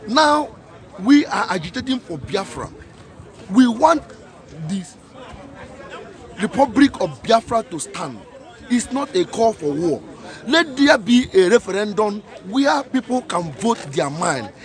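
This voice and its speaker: Man, high voice, rallying a street protest, faint crowd behind. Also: big pitch swings, a little slow. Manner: repetitive, emphatic rhetorical questions. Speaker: protest speaker. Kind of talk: impassioned outdoor protest speech.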